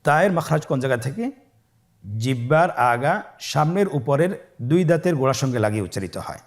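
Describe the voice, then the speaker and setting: A man's voice: mid-range voice, lively intonation, fairly quick. Patient man teaching Arabic letters. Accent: Bangladeshi Bengali. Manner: patient, repeats letters for the viewer to echo. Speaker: Quran teacher. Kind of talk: step-by-step Arabic letter lesson.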